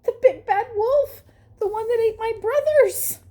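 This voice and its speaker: A woman's voice: a little slow, warm tone. A woman voicing an anxious male pig inventor in a storybook, with a fretful, breath-catching delivery. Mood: frightened. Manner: high, gasping, fretful delivery.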